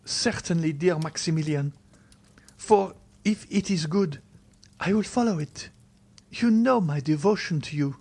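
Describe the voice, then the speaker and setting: A man's voice: a little high, a little slow, darkish tone, voice pushed up. A distressed young woman played by a male reader speaks in a raised, melodramatic voice. She pleads and reproaches with devoted fervor, as in a dramatized storybook reading of a classic romance. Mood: pleading. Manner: impassioned, melodramatic, exclamatory.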